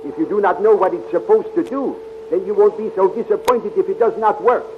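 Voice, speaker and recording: An actor playing a patient, fatherly scientist-inventor in a 1930s radio serial, speaking in a measured, formal way. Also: sits high, lightly acted. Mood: patient, assured. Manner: measured, formal, avoids contractions. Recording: tinny, narrow, noisy 1930s radio recording.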